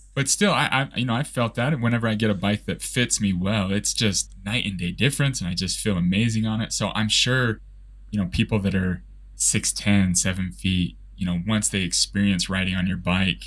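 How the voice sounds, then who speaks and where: A man with an American accent speaks at a fairly low pitch with vocal fry. His pitch varies in an ordinary way. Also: moderate pace. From Utah. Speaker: podcast host, therapist. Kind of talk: interview.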